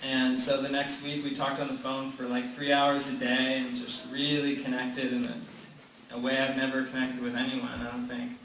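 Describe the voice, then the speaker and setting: A man of medium pitch speaks in a monotone at normal speed, with few pauses and a fairly bright tone. He's a participant at a room gathering, casually sharing a personal anecdote that rambles, restarts and overflows with "like" and laughter. The mic is far off in an echoey room with background noise.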